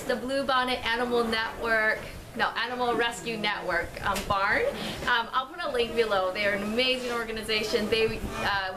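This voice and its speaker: A woman's voice: mid-range voice, background noise. A woman in her forties, a farm owner, talking casually to the camera outdoors with many ums and frequent laughs. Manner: friendly, chatty, many ums, laughs often. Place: outdoors by an alpaca pen. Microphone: camera at close range.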